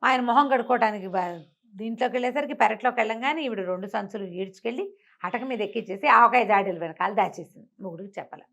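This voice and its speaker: A woman's voice: medium pitch, quick pace, gravelly, a bit bright. A woman storyteller telling a moral tale conversationally, repeating phrases and asking rhetorical questions.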